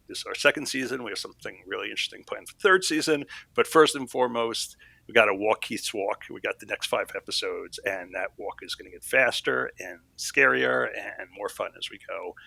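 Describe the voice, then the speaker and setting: A man with a low, gravelly voice and a bright edge, recorded dry. He gives casual interview answers as a show creator, halting and self-deprecating. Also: no room sound. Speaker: series creator being interviewed. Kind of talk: casual, unscripted interview talk.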